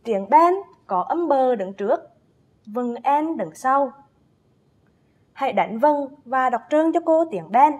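Slow, high-voiced woman teaching phonics. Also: animated, a little mellow, breathy edge. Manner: slow, careful enunciation with drawn-out spelling drills; addresses young pupils directly, calls them to read along. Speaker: primary school teacher. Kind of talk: first-grade phonics lesson.

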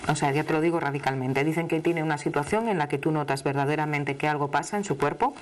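She is a middle-aged tarot reader from Asturias, Spain, whose Asturian Spanish accent colors a live TV reading delivered to a caller in an emphatic, friendly, talkative way. The voice is low-pitched with fairly even intonation and a quick pace, recorded on a desk studio mic with slight background noise.

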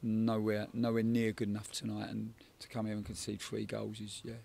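A man in his forties, a football head coach, giving a measured post-match interview outdoors at a night stadium, often repeating words as he thinks. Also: fairly low pitch, monotone, vocal fry, warm tone, slight background noise. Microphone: handheld interviewer microphone.

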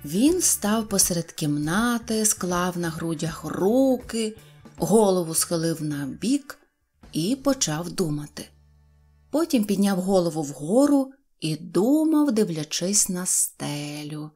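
A woman narrating a children's fairy-tale audiobook in a calm, even storytelling manner. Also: on the low side, takes it slowly, breathy edge, soft background music.

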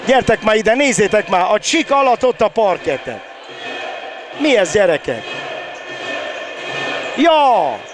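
An older man doing excited sports commentary, often shouting and repeating words. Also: sits high. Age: older, around 70. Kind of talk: excited Hungarian futsal commentary. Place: balcony of a large indoor sports hall. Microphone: headset. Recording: background noise of a sports hall.

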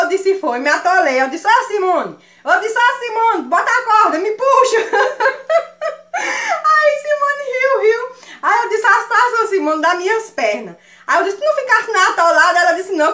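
A woman with a Northeastern Brazilian accent telling a funny story to her viewers, animated and laughing often. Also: very high-pitched. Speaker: vlogger. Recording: echoey room sound.

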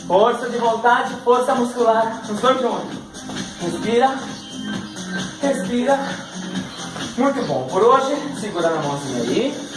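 A man's voice: very high-pitched, lively intonation, unhurried, pauses often, roomy sound, over music, poor audio. A middle-aged Brazilian man leading a home exercise class, cueing moves and counting reps with an upbeat, laughing manner. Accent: Brazilian Portuguese. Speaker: fitness instructor. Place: living room at home.

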